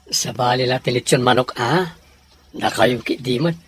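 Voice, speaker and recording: An actor playing a proud, defiant young adult son in a radio drama, with a Filipino Ilocano accent. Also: male voice, mid-range voice, normal speed, a bit bright, close to an everyday voice. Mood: earnest.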